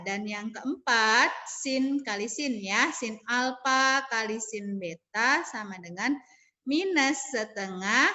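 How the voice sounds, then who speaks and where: A woman's voice: a little high, bright, forceful tone. A woman teacher, leading an online math class over a video call, calling on students by name and walking through formulas step by step.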